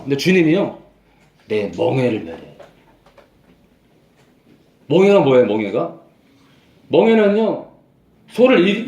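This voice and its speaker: A man's voice: mid-range voice, dark tone, reverberant. A male pastor preaching a sermon emphatically, repeating phrases and raising his voice to stress his points.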